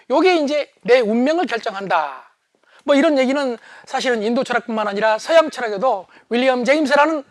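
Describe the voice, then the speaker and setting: High-voiced, animated lecturing man. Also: no echo. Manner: animated, shouting for emphasis. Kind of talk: humorous leadership lecture.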